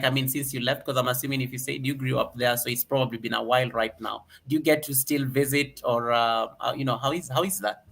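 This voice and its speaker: Kenyan host, bright forward tone, chatty and eager interviewer. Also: male voice, medium pitch, gravelly. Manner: animated, questions in long repeating runs. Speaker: livestream host. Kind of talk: casual livestream interview.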